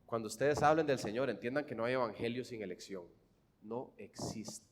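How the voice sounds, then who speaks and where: A man with a Costa Rican accent preaching a sermon, swinging fervently from hushed, quiet lines to loud, emphatic ones. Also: medium pitch, normal speed, in a large hall. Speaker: pastor.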